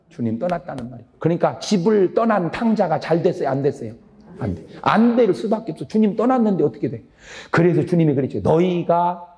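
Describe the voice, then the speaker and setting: A man leads a revival sermon from the pulpit of a church, his voice sitting a little high and moving over a very wide pitch range. He keeps throwing questions to the congregation and waits for them to answer. His loud high lines drop suddenly into low, quiet ones. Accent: Korean. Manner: call-and-response questions to the congregation; animated, swings between loud high lines and low drops. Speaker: pastor. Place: church sanctuary.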